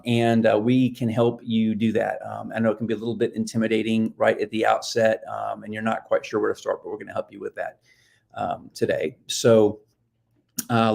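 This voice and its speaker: A man's voice: fairly low pitch, creaky, a little mellow. Casual man presenting with many fillers. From Nashville-based. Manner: casual, filler-heavy, restarts. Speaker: book publicist, guest expert. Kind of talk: live-stream presentation.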